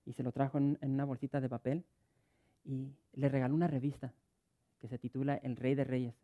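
A man's voice: medium pitch, little pitch movement, brisk, dark tone. A middle-aged man preaching a sermon, telling stories with many stuttered restarts. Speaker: pastor.

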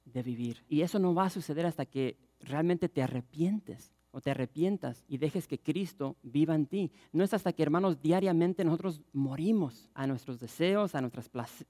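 A man preaching a passionate sermon as pastor, reading scripture and acting out the crowd's shouts. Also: fairly high pitch, normal speed.

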